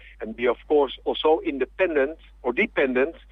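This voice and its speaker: The speech has a Dutch accent and moves at a moderate pace. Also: man. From Netherlands. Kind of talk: radio interview. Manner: halting.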